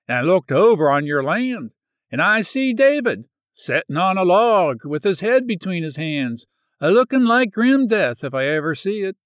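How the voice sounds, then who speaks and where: A chatty old country granny, as a male reader puts her on, her voice high and swooping, spilling out folksy dialect as she rambles. The sound is close and dry. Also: a bit bright, clean tone, no echo, exaggerated voice. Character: chatty old rural countrywoman, warm-hearted.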